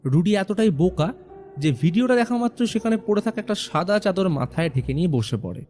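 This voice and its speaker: A man narrating a horror film recap in a hushed, suspenseful storytelling manner. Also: fairly high pitch. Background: faint background music.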